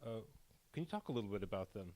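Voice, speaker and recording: Guy moderating a live panel, lowish voice, kinda halting, keeps rewording his questions. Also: animated, warm tone. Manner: halting, rephrases questions mid-sentence. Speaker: moderator, president of a peace-building organization. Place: on stage at a film premiere event.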